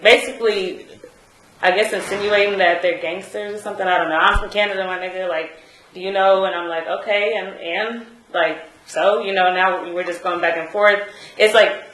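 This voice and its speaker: A woman's voice: mid-range voice, a bit bright, echoey room, low-quality recording. A woman giving hesitant courtroom testimony, full of fillers and restarts. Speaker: trial witness.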